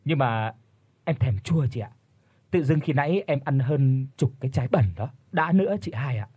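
A man's voice: medium pitch, expressive, normal speed, a little mellow, slightly rough, no room sound. A man doing a shy, stammering young wife. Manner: hesitant, stammering.

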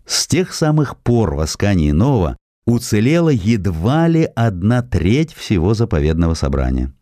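A man reads a scripted historical essay as an audiobook narrator, in an expressive, measured storytelling manner. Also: lowish voice, no room sound, clean studio sound. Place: studio.

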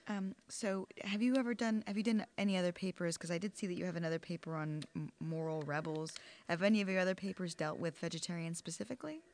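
A woman's voice: lowish voice, fast talker, few pauses, darkish tone. A woman interviewer asking casual, loosely phrased questions in a conversational way.

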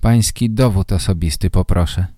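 A man voicing a stern, official male policeman in a slow read-aloud story for learners. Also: sits low, dark tone, no echo, studio quality. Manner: curt and official. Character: stern small-town male policeman, curt.

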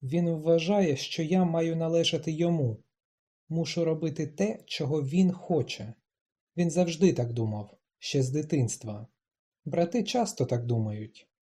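A stubborn, proud young woman from a read-aloud novel, given voice by the narrator, flinging out clipped, emphatic lines. The tone stays very dark and mellow, with a husky, breathy grain. She sounds set on her own way. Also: medium pitch, unhurried, natural voice. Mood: cool. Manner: clipped, emphatic, rising to shouts.

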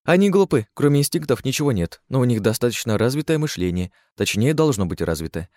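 A man's voice: mid-range voice, sing-song, quick pace, a little mellow, no echo, clean studio sound, pitched above the performer's own voice, lightly acted. A man voicing a young female mage who lectures in a matter-of-fact, eager way.

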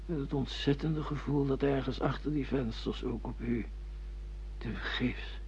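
An actor playing an irritable, disoriented husband who questions everything in a radio drama. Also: male voice, medium pitch, unhurried, darkish tone, slight background noise, close to an everyday voice. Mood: wistful, lost. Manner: querulous, questioning, exasperated. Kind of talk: radio play acting in Dutch. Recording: dull, muffled radio drama recording.

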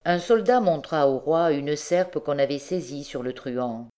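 A woman narrating a classic novel in a measured, clear reading. Her voice sits low. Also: expressive, mellow. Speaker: audiobook narrator. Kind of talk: literary audiobook narration.

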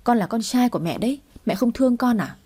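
Giọng nữ đọc người chồng ích kỷ nài nỉ qua điện thoại. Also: female voice, fairly high pitch, expressive, fast talker, warm tone, husky, voice pushed up. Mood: pleading. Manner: pleading, insistent. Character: adult son, selfish pleading husband abroad. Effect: phone call.

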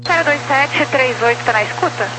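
High-pitched woman controller on noisy radio. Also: fairly quick. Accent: Brazilian. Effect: aviation two-way radio. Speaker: air traffic controller. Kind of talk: procedural radio instructions. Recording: noisy radio channel with hum.

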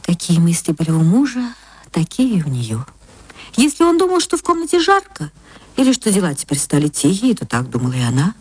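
A woman narrating an old radio play with an emotional manner and sweeping pitch swings. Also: wildly swooping pitch, fairly quick, darkish tone, slightly rough, no echo.

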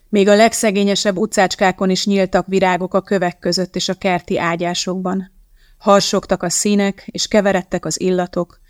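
Gravelly audiobook narrator, dry and close. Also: mid-range voice, no echo.

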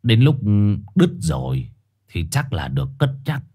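Man voicing a hoarse street dog, raspy, deep, muttering, bossy storybook bully. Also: huge pitch swings, a little slow, darkish tone, heavily acted. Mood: low, conspiratorial. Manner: growling, rough, condescending. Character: gruff streetwise male black four-eyed dog, bossy.

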